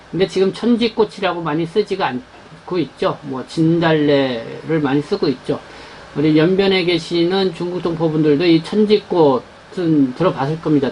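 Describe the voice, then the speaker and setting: A man walks through the pages of his newspaper in a loose, unscripted way, pausing often and restarting his phrases. His voice sits a little high for a man, with faint ambient hiss under it. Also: a little mellow, rough recording. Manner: halting, many fillers and restarts. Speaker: newspaper editor presenting the issue.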